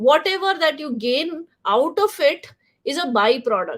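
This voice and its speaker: A woman speaks with an Indian accent. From northern India. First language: Hindi. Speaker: LinkedIn coach. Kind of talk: webinar talk. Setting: video call.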